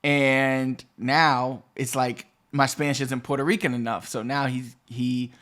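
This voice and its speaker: A man's voice: medium pitch, flat delivery, measured pace, fairly bright tone. A man hosting a Spanish lesson video, explaining in a chatty, digressive way and often restarting phrases. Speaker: Spanish teacher and channel host. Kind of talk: explaining a language lesson to camera.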